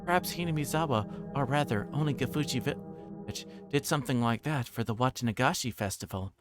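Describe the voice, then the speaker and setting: A man's voice: mid-range voice, a little fast. A man livestreaming a visual novel, reading the story aloud dramatically and chatting casually in between. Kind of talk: reading game text aloud with casual stream chat. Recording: game music playing behind the voice. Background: game music.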